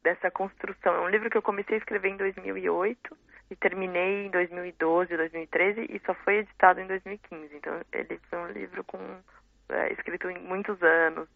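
A woman's voice: fairly low pitch, steady tone, a little fast, creaky, no room sound. A woman in her thirties with a Brazilian Portuguese accent, a guest poet answering interview questions in a reflective way, often searching for words and adding tag questions. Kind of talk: casual interview talk. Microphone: phone call. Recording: tinny dry phone line.

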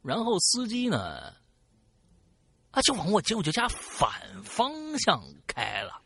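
A man hosting a talk show, retelling a listener's story in an animated way with casual swearing. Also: sits high, slow pace, vocal fry, breathy edge. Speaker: host reading a listener's story.

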